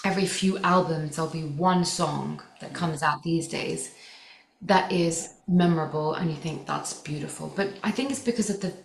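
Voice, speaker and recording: A woman's voice: low voice, normal speed, vocal fry. A woman, a singer guest on a podcast, chiming in emphatically in a casual chat. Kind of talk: casual conversation. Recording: echoey room with faint noise.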